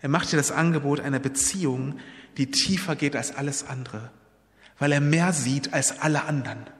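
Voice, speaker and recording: A man's voice: fairly high pitch, moderate pace. Earnest male preacher in a reverberant hall. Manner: earnest, storytelling, personal appeals. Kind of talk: sermon.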